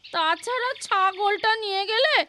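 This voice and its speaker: A woman's voice: extremely high pitch, unhurried. A woman voicing a feisty, firm village housewife in a cartoon, with an emphatic, scolding manner. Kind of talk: cartoon voice acting. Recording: noisy cartoon soundtrack.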